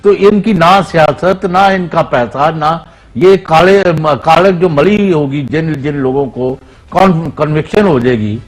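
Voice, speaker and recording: A man's voice: on the high side, takes it slowly, low-quality recording. Argumentative man. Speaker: panel guest. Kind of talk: TV debate.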